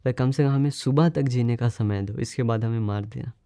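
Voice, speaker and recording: A man voicing a calm, gentle monk in a sermon story, speaking in a quiet, resolute way. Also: medium pitch, fairly quick, no echo, clean studio sound, close to an everyday voice. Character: calm, gentle adult male forest monk.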